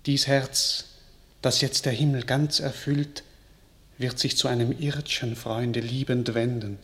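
Stately, slow-speaking king. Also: mid-range voice, steady tone, a bit bright. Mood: gentle, persuasive. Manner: stately, declamatory. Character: grateful, gracious medieval king, lofty and ceremonious. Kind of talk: classical German radio drama verse acting.

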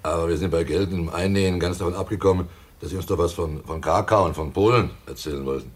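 An actor playing an affable village innkeeper in a German radio play, casual, inquisitive and a little evasive. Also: male voice, low voice, fast, slightly rough. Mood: curious, sociable.

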